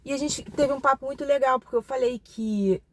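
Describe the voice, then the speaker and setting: A woman's voice: high voice, brisk, a little mellow, a little hiss or hum. Reflective Brazilian woman in her forties. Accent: Brazilian Portuguese. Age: 40s. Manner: reflective, confiding, frequent tag questions. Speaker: channel host. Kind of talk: casual personal vlog talk.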